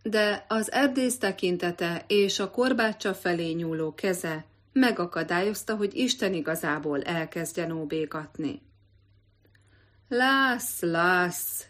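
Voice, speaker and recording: A woman narrating an audiobook in a measured, expressive literary reading. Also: fairly low pitch. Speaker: audiobook reader.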